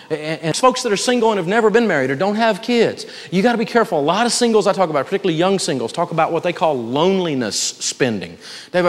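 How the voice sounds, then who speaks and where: A man's voice: a little high, in a large hall. A man teaching a live financial seminar, telling folksy stories and acting out the people he quotes.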